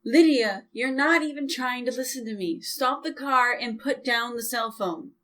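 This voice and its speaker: A woman's voice: on the high side, normal speed, fairly bright tone, lightly acted. A woman playing a bossy, exasperated young woman in an audio drama, scolding and sarcastic.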